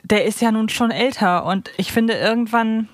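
A woman's voice: on the high side, normal speed, no echo, clean studio sound. A woman co-hosting a podcast, chatting casually and analytically. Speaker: podcast co-host.

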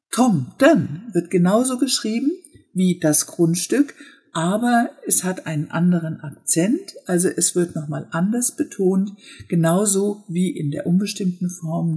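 A woman hosting a podcast language lesson, explaining pronunciation step by step and modelling words slowly. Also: lowish voice, warm tone, husky. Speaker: Swedish teacher and podcast host.

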